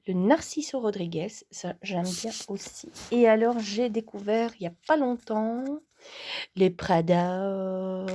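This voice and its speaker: A woman chats casually to camera. Her voice is mellow and warm, at a middling pitch for a woman. She talks hesitantly, with many fillers, and slips into whispers at times. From Belgium. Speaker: vlogger and sophrology coach.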